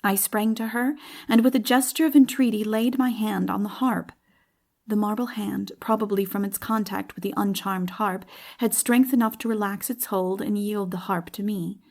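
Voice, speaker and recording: A woman's voice: medium pitch, fairly even intonation, moderate pace, a little mellow. A woman narrating a literary audiobook as a dramatic reading.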